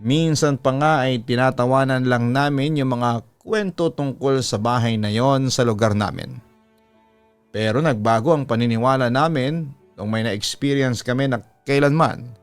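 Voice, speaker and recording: The narrator, a man with a Filipino accent, presents a scripted horror story in the first person by reading a letter aloud. There is no echo on his mid-range voice, and music plays behind him.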